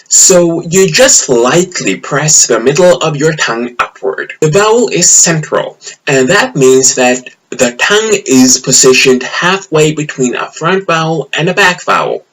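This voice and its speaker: A man teaching a pronunciation lesson, speaking carefully and deliberately to his viewers. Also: medium pitch, a bit bright, rough recording. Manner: careful, deliberate delivery, modeling words slowly. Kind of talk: slow, clear pronunciation lesson.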